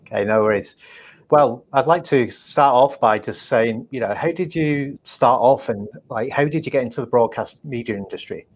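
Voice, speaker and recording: A male podcast host who speaks at a middle pitch. He asks his guest loose, easygoing questions and hedges them as he goes. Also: moderate pace, breathy edge. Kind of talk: interview hosting.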